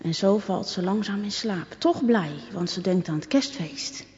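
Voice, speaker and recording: Vrouw die expressief een kinderverhaal voorleest. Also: female voice, medium pitch, measured pace. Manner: expressive, lively reading. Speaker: storyteller. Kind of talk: children's story reading. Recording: echoey, dull recording.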